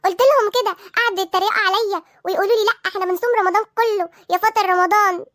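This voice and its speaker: A whiny, sulky little boy in a cartoon, always complaining. He speaks with an Egyptian accent, in a very high, quick voice. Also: steady tone, a bit bright, dry recording, clean studio sound. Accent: Egyptian Arabic. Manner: whining, complaining. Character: whiny seven-year-old boy who hates school.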